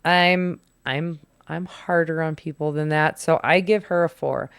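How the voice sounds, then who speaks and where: Female podcast host, low smooth voice, dry close sound, brisk lead. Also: steady tone, no room sound. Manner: brisk, leads the segment, laughs often. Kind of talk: casual chat.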